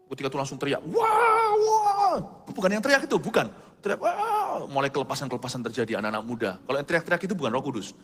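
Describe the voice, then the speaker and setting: Man, middle-aged pastor, sermon testimony, vivid storyteller, quiet asides, long hall reverb. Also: medium pitch, animated, rapid-fire, slightly rough. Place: large church hall. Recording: reverberant church hall, soft music behind.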